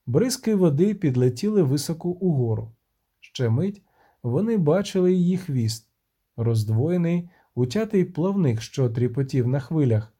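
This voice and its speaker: Brief: male storyteller, lively pitch, mellow dark voice, scripted fantasy narration. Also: a little slow, slightly rough. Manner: expressive storytelling. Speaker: audiobook narrator.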